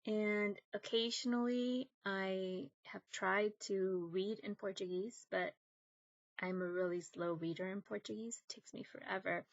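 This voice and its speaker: A young woman from northern Mexico whose first language is Spanish, talking casually and thoughtfully to camera as a book vlogger, with frequent ums and pauses. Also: medium pitch, fairly even intonation, dry recording, muffled recording. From Monterrey, northern Mexico. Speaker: booktuber.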